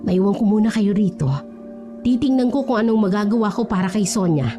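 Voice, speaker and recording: A woman voicing an older village healer woman who gives calm, serious instructions. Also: mid-range voice, fairly quick, music in the background, close to an everyday voice. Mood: grave. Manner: grave, instructing.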